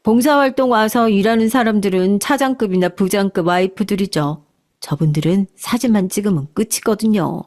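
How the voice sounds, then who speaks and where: 여성이 연기하는 체념한 듯 속삭이는 차장 부인. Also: female voice, medium pitch, a little fast, a little mellow, natural voice. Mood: confiding. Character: weary resigned office worker's wife.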